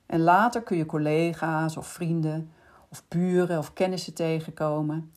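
A woman hosting a podcast, calmly explaining in scripted narration and speaking directly to the listener. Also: low voice, normal speed. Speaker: podcast host.

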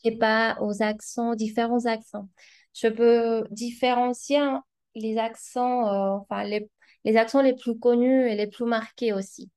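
Woman teacher, spanish is her first language, lots of ums, thinks out loud. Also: on the high side, steady tone, measured pace, clear, resonant tone. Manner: hesitant, many fillers and restarts, thoughtful. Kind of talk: casual discussion.

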